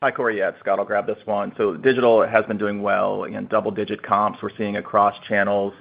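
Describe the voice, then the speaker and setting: Fast, gravelly man on a phone line. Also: fairly low pitch, level tone. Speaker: company finance executive. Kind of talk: earnings call answers, businesslike talk. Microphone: conference call line. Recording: narrow, tinny phone-line sound.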